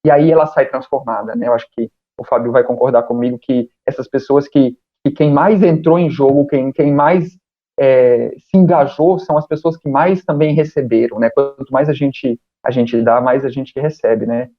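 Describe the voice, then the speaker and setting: A man, speaking as a podcast guest, thinking aloud with frequent pauses and fillers. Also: medium pitch. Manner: thoughtful, hesitant, many fillers. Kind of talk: casual conversation. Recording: dull lo-fi sound.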